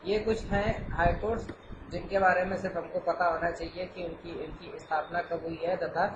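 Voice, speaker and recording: A man's voice: high-pitched, flat delivery, moderate pace. A man who teaches an exam-prep lecture, explains patiently and keeps checking with "theek hai". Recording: echoey, dull, noisy room.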